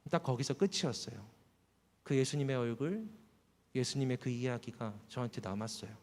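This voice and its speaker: Korean pastor preaching in a reverberant hall. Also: male voice, expressive, moderate pace. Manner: storytelling, voice drops soft and low for quoted words. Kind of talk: sermon, personal testimony. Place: church hall. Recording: long church hall reverb.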